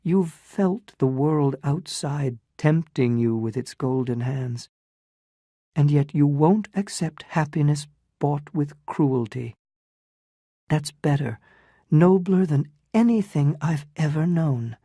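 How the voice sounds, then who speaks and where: A woman's voice: low-pitched, takes it slowly, warm tone, no echo, studio quality, exaggerated voice. A reader voicing a distraught, proud young woman. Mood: sorrowful. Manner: emotional, pleading. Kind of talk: dramatized story reading.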